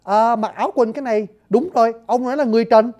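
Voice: mid-range voice, fast talker, dark tone, close to an everyday voice. A narrator voicing a mischievous male forest sprite who grumbles about his errands and mutters to himself. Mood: grumbling.

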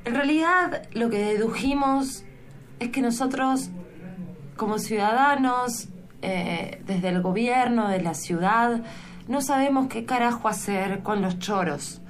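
A woman with a Rioplatense accent hosting a comedy radio show in a relaxed, playful way. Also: on the high side, takes it slowly, slight background noise. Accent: Rioplatense Spanish. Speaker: host.

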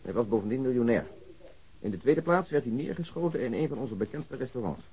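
An actor playing a wry, matter-of-fact police detective in a Dutch radio crime drama, briefing in an orderly way. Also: male voice, medium pitch, animated, fairly quick, darkish tone, natural voice, rough recording. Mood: formal, measured.

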